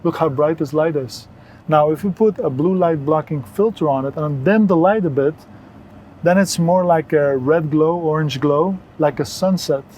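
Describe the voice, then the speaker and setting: Higher-voiced mellow man from Belgium, explaining earnestly. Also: normal speed, slight background noise, rough recording. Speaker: interview guest, wellness entrepreneur. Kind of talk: conversational health advice.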